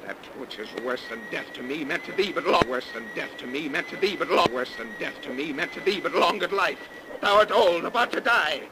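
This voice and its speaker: A man's voice: fairly high pitch, animated, brisk, lightly acted. Male actor as undead ship captain, bitter and vengeful, grandiose archaic declamation, 1930s radio horror, noisy old recording. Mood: brooding, bitter.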